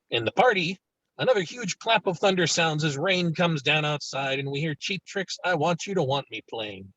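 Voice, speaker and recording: A man's voice: fairly high pitch, a bit bright, no echo, poor audio. A man reading stage directions as narrator in a virtual table read of a film script.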